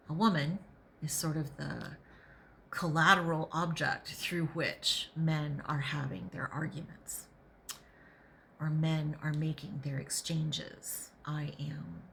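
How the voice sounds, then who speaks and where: A woman hosting a podcast, reading aloud and adding opinionated, emphatic commentary, sometimes pausing to think out loud. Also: low voice, slight background noise. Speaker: podcast host and reader.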